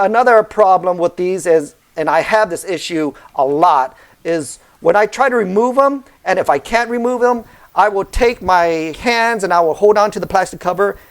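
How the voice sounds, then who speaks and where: A man hosting a casual car repair vlog, chatty and often checking in with listeners by asking "okay?" and "right?". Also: a little high. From United States, Southern California. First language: Vietnamese heritage speaker, fluent in English. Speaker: car repair channel host. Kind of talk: casual how-to vlog talk.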